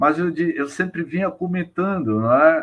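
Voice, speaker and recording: A man speaks with ordinary pitch variation. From Salvador, Bahia, Brazil. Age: 60s. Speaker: spiritist lecturer. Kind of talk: casual remarks on a live religious program. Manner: halting, with many fillers.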